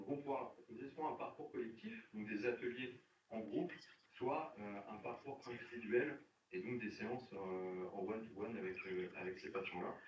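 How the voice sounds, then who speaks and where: A man speaks with ordinary pitch variation, and room echo can be heard. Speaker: social psychologist presenting a health program. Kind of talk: presentation in an online meeting. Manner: fast; hesitant, many fillers.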